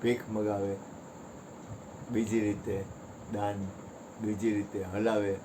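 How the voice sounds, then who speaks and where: A man's voice: lowish voice, flat delivery, takes it slowly, noisy background. A man giving a devotional satsang talk in a folksy, conversational way, joking with his listeners. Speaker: satsang speaker.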